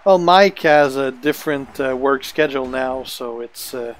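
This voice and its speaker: This gaming streamer, a Frenchman with a native French accent, keeps things casual with his viewers and laughs often. He talks in a mid-range voice, a little on the slow side.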